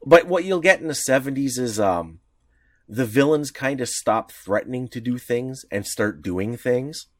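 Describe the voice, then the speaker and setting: A man's voice: mid-range voice, animated, unhurried, no room sound. A man co-hosting a podcast, chatting casually about comics history, rambling with lots of fillers and restarts. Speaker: podcast co-host.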